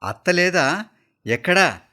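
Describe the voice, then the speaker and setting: A man's voice: a little high, expressive, normal speed, fairly bright tone, voice pushed up. A man voicing an offhand, matter-of-fact young man in a radio story, speaking in a raised voice. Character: offhand young man who brings the boy.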